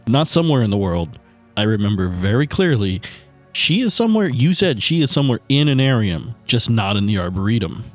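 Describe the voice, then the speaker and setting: A man chatting casually as a player on a game podcast, joking in a halting way. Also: medium pitch, sing-song, soft background music. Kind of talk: casual chat.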